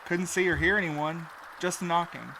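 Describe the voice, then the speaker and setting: A man's voice: on the high side, fairly even intonation, moderate pace, creaky, bright, forceful tone, slight background noise. Blunt, anxious young man played by an actor. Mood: uneasy. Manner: blunt, snappy. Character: sardonic, anxious young married man, loyal. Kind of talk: audio drama acting.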